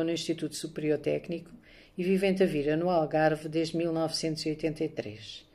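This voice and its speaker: A middle-aged woman, introducing herself and reading her poems in a measured, soft-spoken way, recorded on a phone at home. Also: deep voice. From born in Angola, raised there. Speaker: poet and maths teacher. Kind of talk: self-introduction and poetry reading. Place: home room, indoors. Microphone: phone camera at arm's length.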